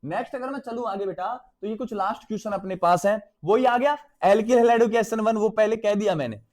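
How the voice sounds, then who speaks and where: A man's voice: sits high, brisk, darkish tone. A man with a Hindi accent, teaching an exam revision lesson, calling his students beta and checking again and again that they follow.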